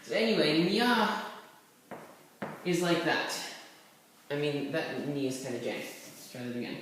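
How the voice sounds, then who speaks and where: A sing-song, unhurried medium-pitched voice belongs to a language tutor who writes characters during a casual, rambling tutorial full of offhand comments. Recorded far from the mic in a very echoey space, the audio carries a faint hiss.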